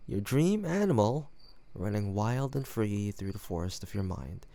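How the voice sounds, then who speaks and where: A man's voice: lowish voice, lively intonation, measured pace, mellow. A man acting a cocky young student in an audio roleplay, teasing and mocking an academic rival. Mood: mocking, amused. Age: young adult.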